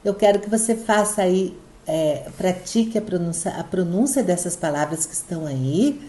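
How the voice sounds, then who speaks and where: A woman's voice: lowish voice, animated, normal speed, warm tone. A woman teacher with a Brazilian Portuguese accent, patiently explaining a Spanish lesson step by step and often checking that students follow. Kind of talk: recorded online lesson.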